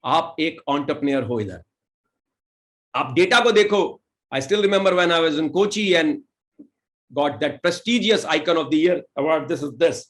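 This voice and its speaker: An Indian man with a high, bright-sounding voice leads a motivational direct selling seminar. His English is slow and drawn out, and he breaks into quick Hindi to press his points home. He keeps asking his listeners to join in. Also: lively intonation. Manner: mixes slow, deliberate English with rapid Hindi; rallying the audience with questions.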